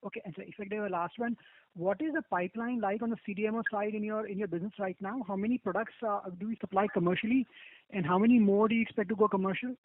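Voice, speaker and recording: A man's voice: sits high, fairly even intonation, fast, dry recording. A man asking questions as an analyst on a company earnings call. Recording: dry, narrow phone line.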